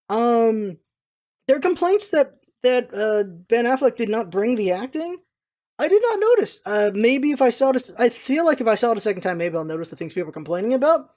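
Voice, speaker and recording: A vlogger speaks off the cuff in a middle-pitched voice. The delivery is informal and opinionated, wandering from point to point like a casual chat about entertainment. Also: a little mellow. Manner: rambling, opinionated, informal with mild swearing. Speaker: video blogger giving movie opinions. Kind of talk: casual unscripted movie review chat.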